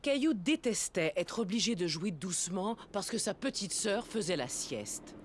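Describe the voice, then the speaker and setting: A woman narrating a children's cartoon story as a kindly, expressive storyteller. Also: mid-range voice, normal speed, a little hiss or hum, natural voice. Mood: storytelling. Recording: music behind the voice.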